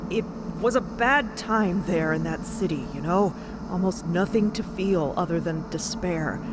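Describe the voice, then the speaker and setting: A woman playing a hesitant, caring crew member in an audio drama, halting and conciliatory. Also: mid-range voice, background noise, close to an everyday voice. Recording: loud ambient night sound bed.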